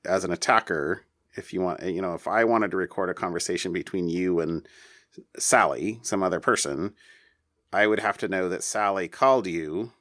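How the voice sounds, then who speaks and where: Low-voiced man chatting tech news. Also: fairly bright tone, no echo, clean studio sound. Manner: halting, thinking aloud. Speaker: podcast co-host. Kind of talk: casual tech news discussion.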